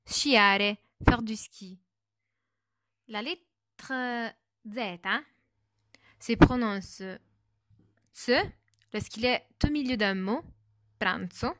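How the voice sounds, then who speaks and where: A woman teaching pronunciation in a slow, careful way, repeating each word with its French translation. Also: fairly high pitch, dry recording, studio quality. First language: Italian. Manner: deliberate, spells and repeats words with French translations. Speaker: Italian language teacher.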